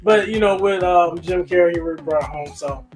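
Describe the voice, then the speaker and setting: High-voiced man in casual review chat. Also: a little fast, faint music behind. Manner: colloquial, slangy, animated retelling with acted-out quotes. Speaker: movie review co-host.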